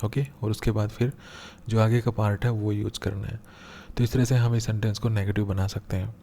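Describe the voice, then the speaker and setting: A man teaching English grammar in a lesson, explaining patiently step by step and slowing down to read out example sentences. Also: lowish voice, flat delivery, gravelly, dark tone, slight background noise. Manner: patient, step-by-step, repeats key points.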